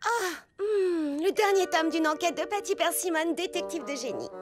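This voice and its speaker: Children's cartoon heroine: young girl, very high and lively, eager, dramatic delivery, background music. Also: moderate pace. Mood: excited, impatient. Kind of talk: French children's cartoon dubbing. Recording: music bed behind the voice.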